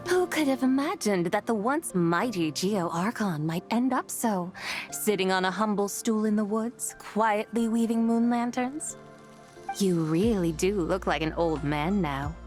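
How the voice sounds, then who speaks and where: A woman's voice: medium pitch, expressive, a little slow, a little mellow, faint music behind, natural voice. An actress playing an ancient female white-horse spirit in a video game, sly, aloof and world-weary, speaking in archaic, formal, teasing phrases. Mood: wry musing. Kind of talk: scripted video game dialogue.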